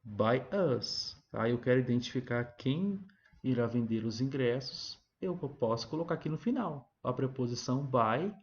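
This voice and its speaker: A man teaching an English review lesson, asking himself questions and answering them, and saying example sentences slowly. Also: mid-range voice, muffled recording. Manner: keeps adding "tá?" and "ó". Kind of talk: recorded classroom review lesson.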